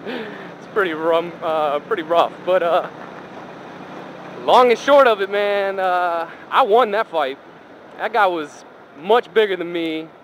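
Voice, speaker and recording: Guy motovlogging inside his helmet, kinda higher voice, loose sweary storytelling, bit of engine and road noise. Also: slow. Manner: rambling, profane, colloquial. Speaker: motorcycle vlogger. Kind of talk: casual first-person storytelling. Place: inside a helmet while riding a motorcycle outdoors. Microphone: helmet microphone. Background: motorcycle and traffic noise.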